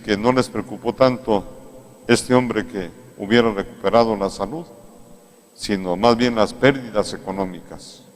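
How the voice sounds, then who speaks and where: A Mexican priest preaching a sermon in an unhurried, conversational way, coming back to key phrases again and again. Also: male voice, fairly low pitch. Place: large cathedral. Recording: echoey cathedral sound.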